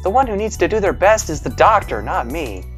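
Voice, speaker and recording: A man voicing a frail, gentle young woman patient in a game, speaking softly and hesitantly. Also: high voice, sing-song, brisk, soft background music, pitched above the performer's own voice. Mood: timid, polite. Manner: soft, hesitant and polite.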